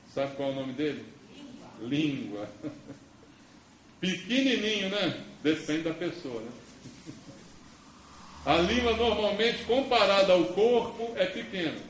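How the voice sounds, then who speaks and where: Animated Brazilian pastor preaching in an echoey church. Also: male voice, a little high, a little hiss or hum. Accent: Brazilian Portuguese. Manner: animated preaching with rhetorical questions. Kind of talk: sermon. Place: church sanctuary. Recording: echoey church recording from a distance.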